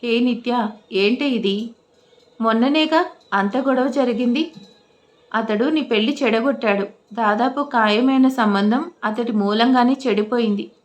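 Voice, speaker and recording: A woman doing an incredulous young friend in an audio story, pitched noticeably higher. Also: unhurried, close to an everyday voice. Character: surprised young female friend.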